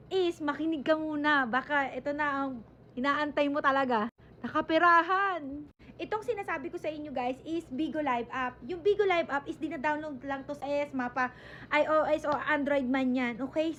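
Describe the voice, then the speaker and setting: A woman's voice: sits high, fairly bright tone, slight background noise. A young woman, a family vlogger talking casually to her viewers, chatty and often laughing. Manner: chatty, laughing, coaxing the kids. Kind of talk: casual family vlog and direct-to-camera pitch.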